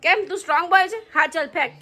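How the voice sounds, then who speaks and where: A woman's voice: extremely high pitch, fast, bright, forceful tone, soft background music. A mother in her thirties chatting to camera in a casual family vlog, scolding and teasing her sons. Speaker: mother and vlogger.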